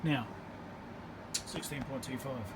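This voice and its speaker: A man giving a hands-on electronics repair demonstration, thinking aloud in an informal, halting, step-by-step way. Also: medium pitch. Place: indoor repair workbench. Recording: steady background hum and room noise.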